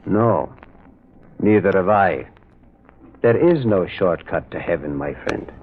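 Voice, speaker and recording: An actor playing a gentle, shrewd priest detective in an old-time radio mystery, wry and curious, musing in a hesitant, folksy way. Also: male voice, sits low, animated, slow pace, slightly rough, full character voice. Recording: muffled old radio recording.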